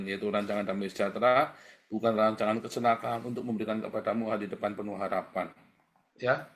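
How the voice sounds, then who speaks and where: A man's voice: mid-range voice, a bit bright. Preaching man in an echoey room. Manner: conversational preaching, often addressing listeners as brothers and sisters; colloquial and blunt. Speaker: pastor. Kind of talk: livestreamed sermon.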